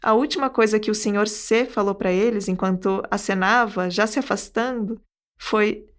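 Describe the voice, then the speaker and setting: A woman's voice: mid-range voice, normal speed. A woman with a Brazilian Portuguese accent, hosting a podcast and recounting an anecdote in conversational, scripted narration. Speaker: podcast host.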